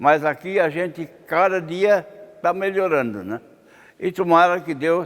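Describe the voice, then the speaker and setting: Slowly, very slowly, a man speaks. His voice is fairly high, with ordinary pitch variation. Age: 70s. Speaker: club founder and community elder. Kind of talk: interview testimony. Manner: hesitant, frequent filler words.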